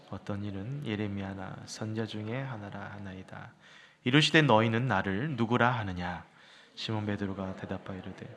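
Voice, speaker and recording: A man, a pastor, reading scripture and introducing the speaker in a formal, measured way. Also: lowish voice, fairly bright tone.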